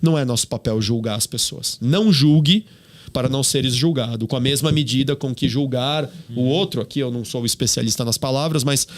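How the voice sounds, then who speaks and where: A man's voice: mid-range voice, fairly quick. A man with a Brazilian Portuguese accent, speaking emphatically as a guest on a podcast and asking rhetorical questions. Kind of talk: podcast discussion.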